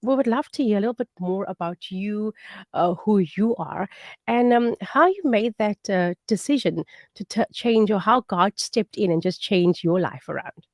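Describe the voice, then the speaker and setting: A woman with a South African accent hosting a live morning radio show, bubbly and quick with some fillers. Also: medium pitch, no room sound. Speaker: radio host.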